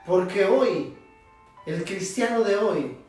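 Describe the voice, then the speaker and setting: A man preaching a sermon as pastor, emphatic and leaning on long pauses. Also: high-pitched, animated. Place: church sanctuary. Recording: echoey church, distant mic, soft instrumental music.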